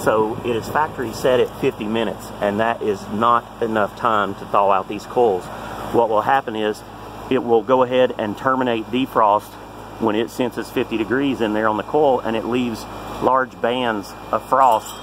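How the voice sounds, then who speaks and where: A man's voice: fairly low pitch, fairly even intonation, moderate pace, background noise. A man, an HVAC technician, walks through a repair tutorial outdoors by a heat pump in a plain-spoken, practical way, filmed on a phone held close.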